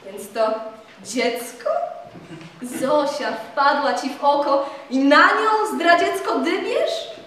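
A woman voicing a passionate scorned noblewoman, declaiming with loud dramatic outbursts in a verse recital. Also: sits high, slow, slight background noise. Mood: bitter. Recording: roomy echo, voice far from mic.

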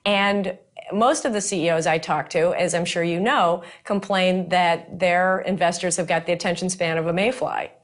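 A middle-aged woman interviewing a business leader, framing her questions in a measured and complimentary way. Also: fairly low pitch, fairly even intonation.

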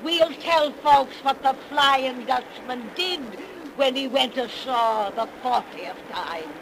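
A woman's voice: high-pitched, takes it slowly, background noise. A woman playing an old witch who tells spooky tales in a gloating, folksy manner, as on 1930s radio horror. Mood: gleeful, sinister. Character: old witch storyteller talking to her Satan.

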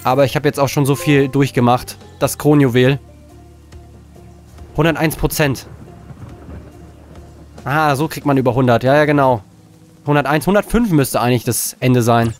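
A man giving live gameplay commentary as a let's play host, frustrated, swearing and talking himself calm, indoors at a desk. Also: medium pitch, normal speed, long pauses, faint music behind.

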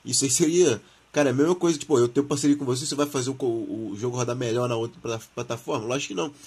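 Brazilian male gaming host, informal and slangy, mid-pitched, husky from flu and a sore throat. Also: fairly even intonation, very fast, a little mellow. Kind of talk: casual gaming news commentary, reading and commenting on an article.

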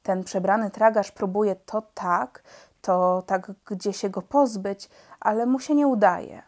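A woman narrates a children's novel with lively, expressive storytelling. Her voice sits at a typical middle pitch for a woman. She reads steadily for young listeners. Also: a little slow. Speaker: audiobook narrator. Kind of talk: reading a children's novel aloud.

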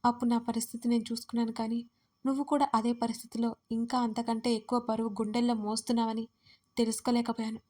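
A woman voicing an emotional young woman in an audio story, speaking softly and with heartfelt feeling. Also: on the high side, flat delivery, quick pace, lightly acted. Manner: soft, tearful, heartfelt.

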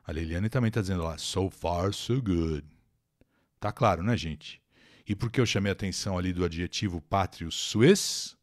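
In a low voice at a moderate pace, a man with a Brazilian accent gives a live English lesson online. He reads and translates a text, breaks down pronunciation, and keeps up a chatty, direct rapport with viewers.

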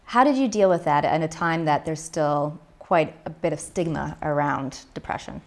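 A woman with a lowish voice conducts a sit-down interview. She asks her questions in a calm, soft-spoken way, seated across from her guest in a living room. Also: normal speed. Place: living room set indoors.

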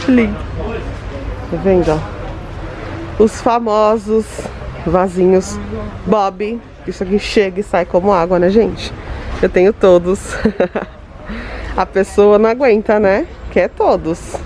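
A woman from Brazil films a tour of a home goods store on her phone, enthusing over every item and talking straight to her viewers. Her voice is mellow and soft-edged. A faint hiss of noise sits behind her. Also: mid-range voice, takes it slowly, long pauses. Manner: enthusiastic, gushing over items, chatty asides to viewers. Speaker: home decor vlogger. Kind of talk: store tour vlog, showing products.

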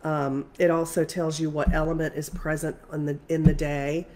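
A woman's voice: deep voice, flat delivery, normal speed, a little mellow. A woman spiritual coach who is congested, talking casually and rambling with many fillers and restarts. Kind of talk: casual spiritual talk to camera.

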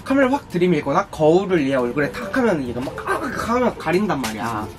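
A young man chatting casually and telling anecdotes in an animated way, acting out quotes as he goes. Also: fairly high pitch, fast. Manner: animated storytelling with acted-out quotes. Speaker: vlogger. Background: music.

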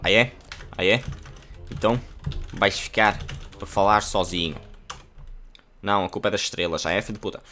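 A man's voice: low-pitched, fairly bright tone. A young man from Portugal, joking crudely while he reads chatbot replies aloud in a casual gaming vlog. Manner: jokey, crude, reads typed lines aloud. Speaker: gaming youtuber.

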